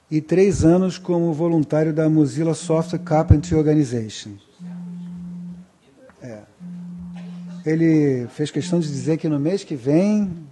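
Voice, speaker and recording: A man moderates a conference panel and introduces the next speaker. His voice is very dark and mellow, pitched a bit higher than most men's. He keeps things informal and checks facts aloud as he goes. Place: conference hall.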